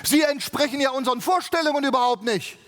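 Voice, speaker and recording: A man's voice: very high voice, quick pace, fairly bright tone, slight background noise, voice pushed up. A man voicing a brusque male Swiss official who gives curt, pedantic orders. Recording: long reverb of a large hall.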